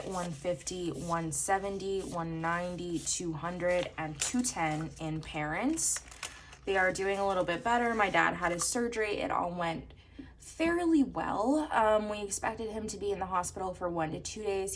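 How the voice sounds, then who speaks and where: A young woman from Canada talks casually and counts cash aloud in a steady rhythm, her voice a little hoarse from a coming cold. She sits a touch low for a woman. A faint hum of room ambience runs underneath. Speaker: budgeting vlogger.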